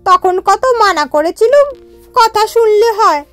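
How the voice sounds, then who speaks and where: A woman's voice: extremely high pitch, expressive, a little slow, a bit bright, faint music behind, heavily acted. A woman voicing a complaining, scornful wife in a cartoon. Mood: grumbling. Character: fussy, grumbling wife of a stingy man. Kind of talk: cartoon voice acting.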